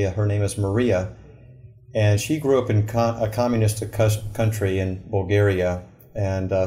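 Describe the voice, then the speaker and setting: Low, mellow-voiced man hosting Christian radio. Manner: halting, many "uh" fillers. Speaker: radio program host. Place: radio studio.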